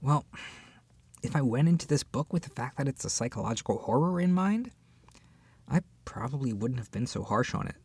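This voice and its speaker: Expressive, husky voice of a flustered book-clubber. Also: medium pitch, fairly quick, dry recording. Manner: expressive, hesitant, with sighs and whispered asides. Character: flustered, opinionated book club member, embarrassed but fair-minded. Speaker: ASMR roleplay voice actor. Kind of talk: scripted audio roleplay, acted as one side of a conversation addressed to the listener.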